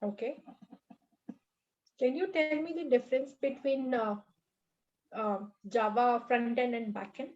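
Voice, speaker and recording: A woman's voice: on the high side, fairly even intonation, unhurried, pauses often, a little mellow, lo-fi sound. A woman with an Indian English accent, a native Marathi speaker, running a job interview over a video call in a firm, coaching manner. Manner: firm, coaching, lecturing tone with repeated checks.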